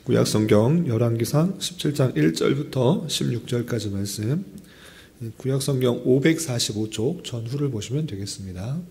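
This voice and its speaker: Male pastor, hoarse with a cold, mellow and creaky. Formal, measured delivery for scripture reading and exposition. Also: mid-range voice, lively intonation. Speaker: pastor leading a dawn prayer service.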